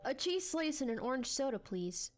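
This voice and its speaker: A woman's voice: high voice, big pitch swings, moderate pace, soft background music. A woman voicing a polite, hesitant young boy in a dramatized audiobook. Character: polite, bookish young boy in a horror story.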